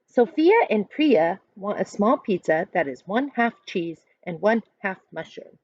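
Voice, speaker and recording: A woman in her thirties reading a children's book aloud like a teacher, expressive and instructive, pausing to explain. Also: medium pitch, dry recording. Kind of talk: read-aloud storytelling with explanations. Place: small furnished room indoors at home. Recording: dull lo-fi webcam sound.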